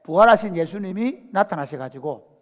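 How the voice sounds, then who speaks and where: Animated pastor in echoing church. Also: male voice, high-pitched, normal speed. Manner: dramatic, acts out biblical voices, swings from hushed to shouting. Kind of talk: animated sermon. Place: church sanctuary. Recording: church hall reverb.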